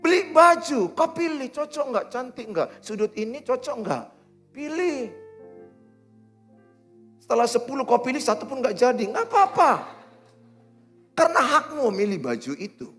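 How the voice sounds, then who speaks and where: Animated preaching man. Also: moderate pace, pauses often, soft background music. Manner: animated preaching, swinging between loud exhortations and quiet, low asides. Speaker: pastor. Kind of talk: sermon. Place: church hall with congregation.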